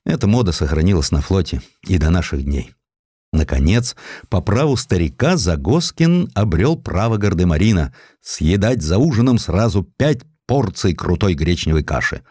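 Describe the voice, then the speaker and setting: A man with a low voice narrates a historical tale in a theatrical, ironic manner. His intonation swings widely from phrase to phrase. The sound is very dry, with no room around it. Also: sing-song, moderate pace, darkish tone, husky, no room sound. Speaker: narrator of a historical audio sketch. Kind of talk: expressive scripted literary narration.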